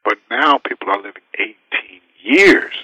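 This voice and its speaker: Male guest advisor, emphatic, sharp tense tone, dry sound. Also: fairly low pitch, animated, measured pace, slightly rough, no echo, highs cut off. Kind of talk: interview answers.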